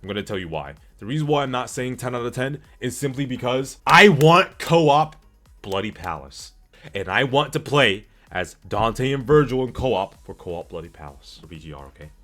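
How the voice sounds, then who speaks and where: A man's voice: mid-range voice, lively intonation, moderate pace, a bit bright. A man hosting a casual gaming livestream, reading and answering chat in a rambling, slangy, profane and emphatic way. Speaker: livestream host. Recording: music playing behind the voice. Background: background music.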